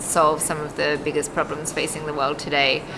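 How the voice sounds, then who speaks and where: Noticeable background noise and audible room echo surround a woman's voice. She speaks at a very deep, low pitch and a fairly quick pace. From Poland (left at age nine). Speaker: nonprofit founder, prize winner. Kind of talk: interview. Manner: hesitant, many fillers.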